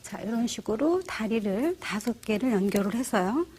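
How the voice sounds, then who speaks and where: A middle-aged woman teaching church flower arranging, explaining each step gently and often asking the viewer rhetorical questions. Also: a little high, expressive, normal speed, husky. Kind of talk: instructional demonstration.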